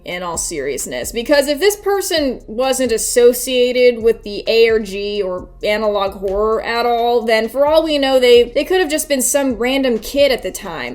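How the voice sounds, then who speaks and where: A woman with a fairly high voice hosts a casual commentary video. Her delivery is irreverent and sarcastic, with plenty of swearing. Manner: sarcastic, foul-mouthed. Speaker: host of a video commentary channel.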